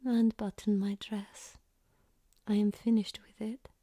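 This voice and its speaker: A woman voicing a young foreign woman who gives orders in a measured, formal whisper. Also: medium pitch, flat delivery, mellow, no echo, clean studio sound, close to an everyday voice. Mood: cool commanding. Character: commanding foreign young woman, cool and controlled.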